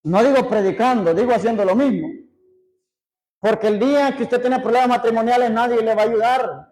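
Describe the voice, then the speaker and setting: A man preaching a sermon, reading scripture slowly and breaking off for conversational asides to the congregation. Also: very high voice, a little mellow, rough recording. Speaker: pastor.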